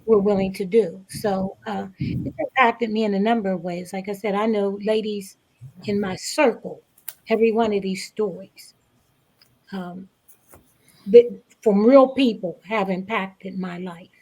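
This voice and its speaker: A woman guest speaking reflectively in a panel interview, with emphatic, deliberate phrasing and pauses. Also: mid-range voice, fairly even intonation, darkish tone, rough recording. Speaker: stage play cast member, guest.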